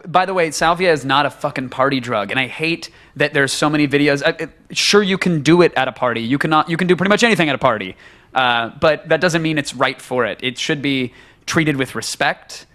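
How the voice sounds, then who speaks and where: A man's voice: on the high side, fairly quick, sharp tone. A man hosting a podcast, talking casually in a rambling way with restarts and bursts of laughter. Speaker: podcast host. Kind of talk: casual chat.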